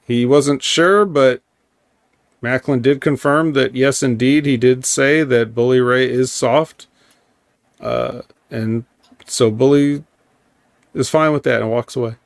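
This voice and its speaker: A man's voice: medium pitch, steady tone, takes it slowly, no echo, clean studio sound. A man hosting a podcast, recapping a wrestling show in a rambling, sarcastic way with lots of ums. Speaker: podcast host. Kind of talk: casual wrestling recap chat.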